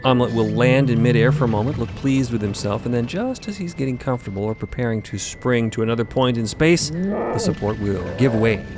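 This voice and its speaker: A man's voice: mid-range voice, animated, fairly quick, noisy background. A man giving scripted narration in an audio drama podcast.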